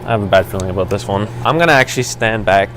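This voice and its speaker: A man's voice: lowish voice, racing, heavy background noise. A young man doing casual, goofy commentary, rambling and easily startled. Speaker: youtuber.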